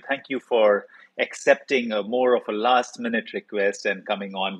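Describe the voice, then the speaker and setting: Here a man with a lowish, slightly rough voice hosts a podcast, opening with a warm greeting and an upbeat introduction. He follows it with enthusiastic interview questions.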